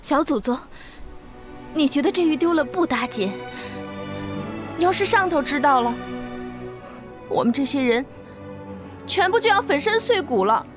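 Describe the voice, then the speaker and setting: An actress playing a worried young maidservant in a period TV drama, coaxing and pleading. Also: female voice, sits high, big pitch swings, a little slow, pauses often, over music. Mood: anxious coaxing.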